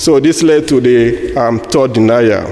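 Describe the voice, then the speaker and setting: A man with a Nigerian accent speaks at a fairly slow pace, his pitch medium and its variation ordinary. Noticeable background noise runs behind him. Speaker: preacher. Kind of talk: sermon. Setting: church.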